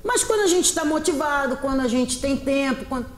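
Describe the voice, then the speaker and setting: High-pitched and a little fast, a middle-aged woman with a Carioca accent from Rio de Janeiro chats animatedly as an interview guest; she's an English teacher. She laughs often and expressively acts out quoted dialogue. The audio is reverberant with a little hiss or hum.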